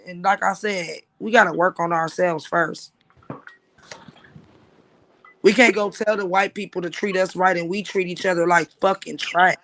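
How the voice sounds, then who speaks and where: High-voiced man ranting on a livestream. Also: pushed and bright. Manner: emphatic, profane, repeats "like I said". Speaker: livestream host. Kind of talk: casual livestream talk.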